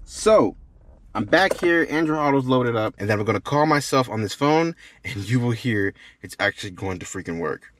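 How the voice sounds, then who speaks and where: A man's voice: mid-range voice, expressive, normal speed, noisy background. A man talking casually through a how-to demonstration as a tutorial host, often repeating phrases for emphasis. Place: inside a car.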